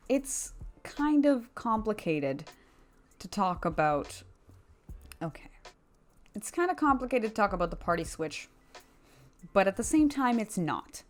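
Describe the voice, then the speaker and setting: A woman's voice: mid-range voice, a little hiss or hum. A woman giving casual, opinionated commentary to viewers in an informal, slangy and emphatic way. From Canada. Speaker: video commentary host.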